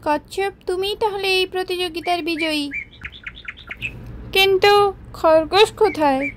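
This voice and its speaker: A woman's voice: very high voice, a little slow, a bit bright, slight background noise. A woman voicing a male animal referee in a children's cartoon, speaking in a formal, announcing way. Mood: concerned. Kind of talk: children's moral-story cartoon dialogue.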